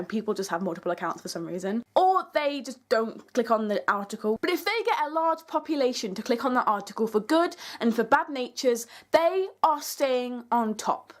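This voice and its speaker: A young woman speaking as a YouTuber in an earnest, emphatic, conversational video essay addressed to her viewers. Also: a little high. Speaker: YouTuber, creator and host. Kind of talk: video essay to camera, semi-scripted.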